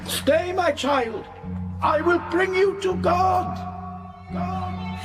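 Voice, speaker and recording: An actor playing a fervent, insistent Catholic priest in a literary audio drama, coaxing and intense. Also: male voice, very high-pitched, drawn-out words, music in the background, heavily acted. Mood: fervent, pressing.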